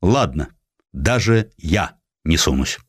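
A man playing a measured, condescending but approving Russian emperor in a dramatized audiobook. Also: low-pitched, lively intonation, husky, no echo, studio quality, full character voice. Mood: conceding. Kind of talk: audiobook character acting.

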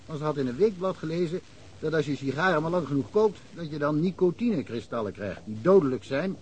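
An actor playing a chatty rural police chief in a radio play, rambling through anecdotes. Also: male voice, a little high, expressive, a little fast, darkish tone, lightly acted, low-quality recording. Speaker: village policeman. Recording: old radio play with faint hiss.

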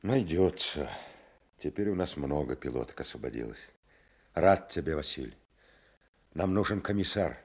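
An actor playing a grave, fatherly army major commanding a besieged fortress in a radio drama, with a deep husky voice. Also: animated, moderate pace, long pauses, a little mellow. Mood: weary, welcoming.

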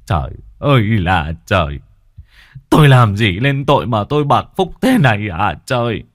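Man doing a loud, anguished older father. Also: mid-range voice, sing-song, normal speed, dry recording, studio quality, voice pushed up. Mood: despairing. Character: distraught older father, official, despairing.

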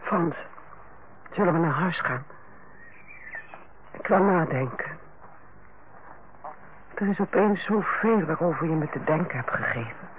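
Stern older nurse, tinny radio recording. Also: female voice, low voice, lively intonation, a little slow, pauses often. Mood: hesitant, moved. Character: stern, lonely older head nurse, softening. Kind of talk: Dutch radio play acting. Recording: tinny, band-limited old radio recording, faint noise.

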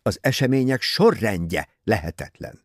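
A man voicing an excitable male detective in an audiobook reading, talking forcefully and insistently. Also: fairly low pitch, dry recording, studio quality. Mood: emphatic. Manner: emphatic, insistent, raises voice.

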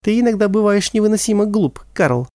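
A man's voice: sing-song, normal speed, no echo, clean studio sound. A man voicing a young mother who coos tenderly over her son and flares up at her husband, in a storybook reading. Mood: angry. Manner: soft cooing turning to shrill outbursts. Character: young mother, tender, protective, explosive when angry.

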